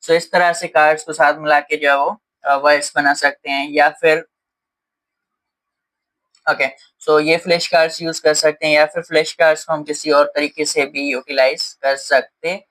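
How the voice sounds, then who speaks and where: Male teacher, slightly high-pitched, patient and explanatory lecture delivery. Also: flat delivery, moderate pace, fairly bright tone, rough recording. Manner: patient, explanatory, frequent fillers. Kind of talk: explaining lesson in Hindi-English mix.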